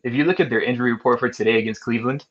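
An excitable man hosts a casual sports podcast at an ordinary, mid-range pitch. His slangy chatter comes through a muffled, lo-fi recording with little clarity at the top end. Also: rapid-fire. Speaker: podcast host. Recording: dull lo-fi sound.

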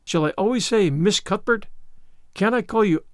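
Audiobook role: young orphan girl, excitable and wordy, high lilting delivery, very dry recording male reader. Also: normal speed, no room sound. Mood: wistful, eager. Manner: earnest, gushing, wordy. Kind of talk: audiobook character voice.

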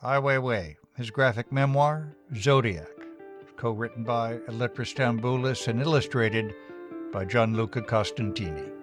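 A man hosting a radio news program, reading his script in an even, measured way. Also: medium pitch, over music.

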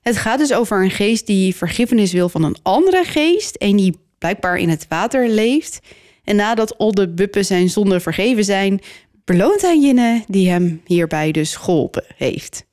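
A woman podcast host narrating a folk tale in a clear, steady storytelling manner. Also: medium pitch, measured pace, no room sound, clean studio sound.

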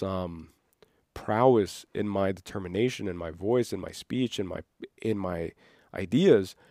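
A young man in his twenties muses on an unscripted podcast, his voice low and mellow. He wanders from thought to thought, leaning on "like" as he goes. The sound is close and dry, with no room around it. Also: no room sound. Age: 20s. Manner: rambling and reflective, heavy use of "like". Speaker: podcast host.

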